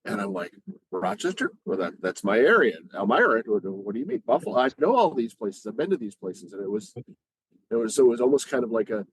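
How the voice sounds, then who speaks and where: A man telling an anecdote conversationally, in a halting way with repeated phrases. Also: mid-range voice, sing-song, slightly rough, no room sound, poor audio. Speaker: guest, community theatre player. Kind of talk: conversational storytelling.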